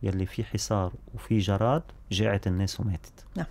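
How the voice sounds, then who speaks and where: The man's voice sits fairly low. He keeps to a moderate pace. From Lebanon, rural village (Druze community); Lebanon. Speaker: journalist and farmer; podcast guest. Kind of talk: radio interview; interview answer. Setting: radio studio. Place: studio. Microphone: studio mic.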